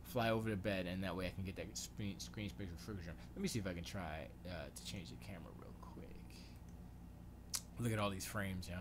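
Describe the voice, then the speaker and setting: A man from Florida with a lowish voice hosts a laid-back livestream from his home studio. He thinks aloud as he works, muttering questions to himself and letting sentences trail off. A steady hiss of noise sits clearly under the recording. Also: fairly quick. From Florida, USA. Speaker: livestream host.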